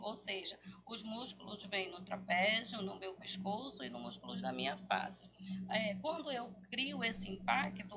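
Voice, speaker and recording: Creaky Brazilian woman explaining things. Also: a little high, low-quality recording. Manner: didactic, pausing to find words. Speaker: hair therapy specialist guest. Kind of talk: explanatory interview talk.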